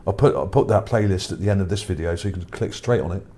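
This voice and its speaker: Low, mellow male video commentator, musing. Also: fast talker. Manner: musing, tentative, hesitant. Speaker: video narrator presenting own image finds. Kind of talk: casual, unscripted screen commentary. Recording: background noise under the voice.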